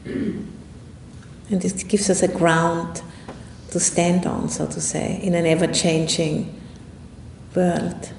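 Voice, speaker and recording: A woman giving a guided meditation talk as a meditation teacher, speaking in an unhurried, reflective way with long pauses. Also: level tone, gravelly, darkish tone. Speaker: Buddhist nun and meditation teacher. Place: indoor room at a retreat center. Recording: roomy echo, faint rumbling background noise.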